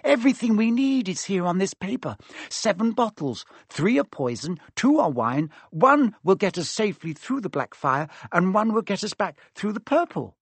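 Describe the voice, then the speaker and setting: A bookish young girl from a storybook, played by a male reader, high and emphatic. The delivery is precise and earnest, pitched well up and recorded close and dry. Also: sing-song, normal speed, few pauses, husky, no echo, exaggerated voice. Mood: brisk, confident.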